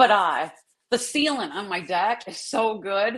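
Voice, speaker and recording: A woman talks with a slight Canadian accent. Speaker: BBQ content creator. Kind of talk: casual chat.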